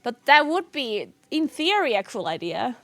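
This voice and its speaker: A woman's voice: sits high, sing-song, normal speed, fairly bright tone, dry recording. A woman from South Tyrol with a South Tyrolean accent in her English, chatting casually and in a giggly way as a livestreamer. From South Tyrol, Italy. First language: not English. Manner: giggly, laughs often while talking. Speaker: game streamer and esports caster.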